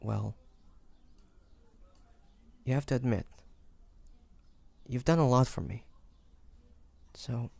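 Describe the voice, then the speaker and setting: A man's voice: mid-range voice, takes it slowly, creaky, pauses often, a little mellow, dry recording. A man playing a flustered, smitten demon hunter in a romantic audio roleplay, hesitant and stammering, often muttering to himself. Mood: earnest, grateful. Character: flustered young male demon hunter, secretly smitten and awkward.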